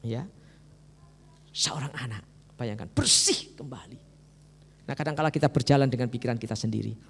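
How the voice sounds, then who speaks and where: A man with an East Javanese accent preaching a sermon as a pastor, telling the story lively. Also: mid-range voice, normal speed, creaky, breathy edge. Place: church hall. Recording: reverberant church hall.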